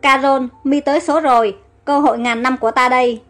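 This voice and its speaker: A jealous court lady from an audio storybook, scornful toward her rival and sugary to the king. A woman reader puts her on in a high, near-natural voice. Soft music hums faintly behind. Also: steady tone, brisk. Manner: scornful, falsely sweet.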